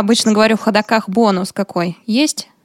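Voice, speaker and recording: A woman talks in a plain, everyday voice. The sound is dry and close, with no echo. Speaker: radio host. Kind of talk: radio interview, live call-in show.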